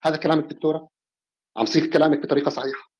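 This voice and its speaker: Levantine guy in a debate, kinda high husky voice, keeps pushing and butting in. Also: flat delivery, rapid-fire, darkish tone, dull audio. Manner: pressing, repetitive, interrupting. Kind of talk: informal live debate.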